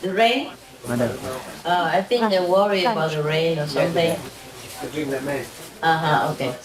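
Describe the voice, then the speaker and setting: A woman's voice: deep voice, measured pace. A woman who is not a native German speaker, with a foreign accent, talking casually to a group in short, simple, often repeated phrases as a teacher. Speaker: spiritual teacher leading a gathering. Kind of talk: casual informal talk to a group. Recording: echoey, distant mic, crowd around.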